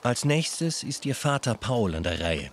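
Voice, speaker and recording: A man giving calm, measured scripted narration for a documentary, recorded as a studio voice-over. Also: medium pitch, slight background noise.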